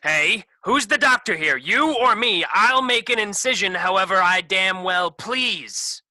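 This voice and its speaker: A man acting as a self-important doctor in a comedy sketch, very bright and forceful, recorded close and dry. He fumbles, then turns grave and bossy with melodramatic weight. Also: high-pitched, lively intonation, unhurried, no echo, heavily acted. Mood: bossy urgency. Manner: hesitant stammer turning to bossy, melodramatic gravity. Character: flustered, self-important male doctor who operates on scripts. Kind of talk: comedy sketch staged reading.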